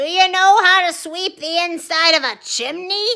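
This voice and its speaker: A woman uses a put-on character voice, gruff and growling, at an extremely high pitch. She moves at a moderate pace with ordinary pitch variation. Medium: read story. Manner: growling, gruff.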